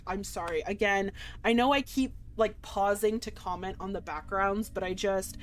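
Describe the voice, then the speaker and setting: A woman's voice: medium pitch, normal speed. A woman streamer giving rambling, enthusiastic commentary on a game, full of fillers and trailing sentences.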